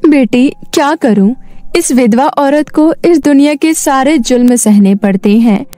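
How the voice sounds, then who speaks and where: A woman's voice: high-pitched, lively intonation, measured pace, warm tone, no echo, soft background music. A woman voicing a meek, sorrowful, loving widowed mother in a cartoon story, pleading and apologetic. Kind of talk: animated moral story dialogue.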